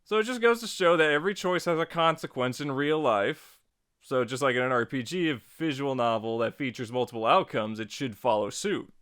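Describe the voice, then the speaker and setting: A man narrates a casual how-to tutorial in a smooth, clear voice of average pitch. He is chatty and playfully wry. The sound is dry, with no room echo. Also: brisk, fairly bright tone. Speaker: tutorial host.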